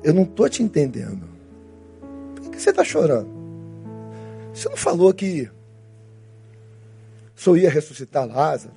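A Brazilian male pastor playing a rough, bewildered older apostle questioning his master in a sermon retelling. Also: on the high side, wildly swooping pitch, normal speed, long pauses, warm tone, soft background music, voice pushed down, exaggerated voice. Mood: puzzled. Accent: Brazilian Portuguese. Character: blunt, puzzled older fisherman apostle.

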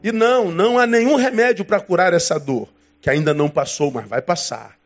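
A man preaching a sermon as pastor, emphatic, with dramatic swings in pitch and long pauses. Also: muffled recording, faint music behind.

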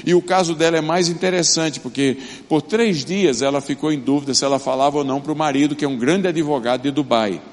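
A man's voice: fairly high pitch, fast talker, few pauses. Older man preaching in a reverberant hall. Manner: storytelling, animated, acts out quoted voices. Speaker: pastor. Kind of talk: sermon.

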